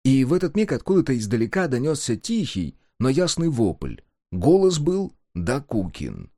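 A man narrating a fairy-tale audiobook with a lively storytelling manner. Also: medium pitch, moderate pace, no echo, clean studio sound.

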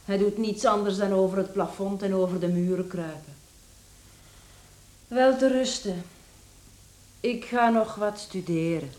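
An actress playing a touchy, earnest young daughter in a radio drama. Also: female voice, mid-range voice, unhurried, pauses often, a little mellow, natural voice. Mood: subdued, tired.

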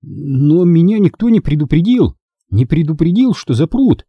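A man's voice: fairly high pitch, sing-song, normal speed, slightly rough, dry recording, muffled recording, voice pushed up. A male audiobook reader voicing an eager schoolboy who pleads and protests. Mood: upset.

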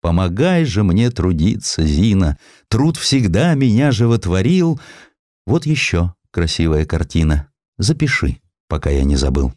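A man voicing an ailing, reflective aging poet in an audiobook, slow and world-weary. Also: low voice, lively intonation, a little mellow, no room sound, clean studio sound. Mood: earnest. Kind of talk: audiobook character voice.

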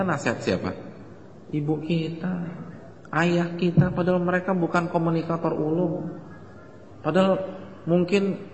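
A man preaches to a gathered audience, his voice carrying through a large, reverberant hall with faint ambient noise behind. He speaks in a conversational way and keeps putting questions to his listeners. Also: medium pitch. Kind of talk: sermon.

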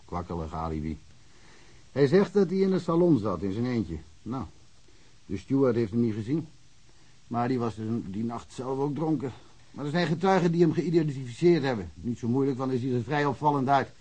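An actor playing a chatty, blunt male small-town police officer in a radio drama, with a husky voice. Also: mid-range voice, animated, normal speed, warm tone. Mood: gossipy. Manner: talkative and blunt.

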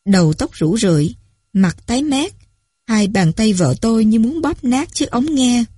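Woman storyteller, measured narration, husky tone, dry recording. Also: fairly high pitch, lively intonation, warm tone, no echo.

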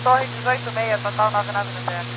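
A woman's voice: mid-range voice, normal speed. A woman making clipped pilot calls over an aviation radio communicator. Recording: noisy, humming aviation radio.

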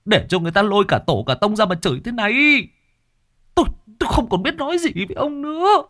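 A man's voice: sits high, lively intonation, fast, a bit bright, voice pushed up. A man playing Cẩn, a grumbling, stammering young master.

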